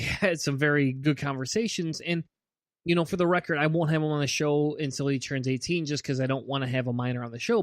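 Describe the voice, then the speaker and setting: A man's voice: fairly high pitch, no echo, studio quality. A man co-hosting a podcast in casual chat, earnest and often restarting his sentences with repeated words. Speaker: podcast co-host.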